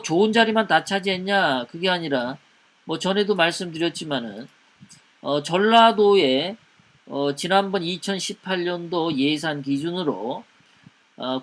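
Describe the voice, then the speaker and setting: Fast, high-voiced man commenting. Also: a bit bright. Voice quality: hesitant, many fillers and drawn-out pauses. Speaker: political commentary host. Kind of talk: live-streamed political commentary, reading comments.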